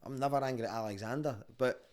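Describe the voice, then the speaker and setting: A man's voice: mid-range voice, fast talker, a little mellow. A man with a Glaswegian street Scottish accent, chatting casually and telling stories in a candid, sweary, conversational way. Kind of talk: casual podcast chat and storytelling.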